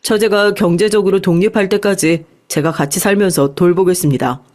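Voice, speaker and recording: A woman's voice: mid-range voice, fairly even intonation, fairly quick, a little mellow, natural voice. A woman voicing an earnest, polite young man in love, in story dialogue. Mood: earnest, respectful.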